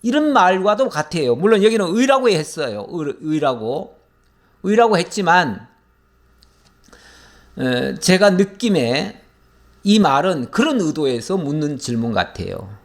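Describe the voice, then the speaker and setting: Lively high-voiced man teaching scripture. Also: measured pace. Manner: explanatory, asks and answers his own questions. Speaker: pastor. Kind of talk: verse-by-verse Bible lecture.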